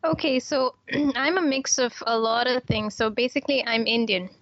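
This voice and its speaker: A woman's voice: fairly high pitch, normal speed, a bit bright, no echo, dull audio. A woman from Kuwait, an author and doctor, answering interview questions in a chatty way, with fillers and repeated words.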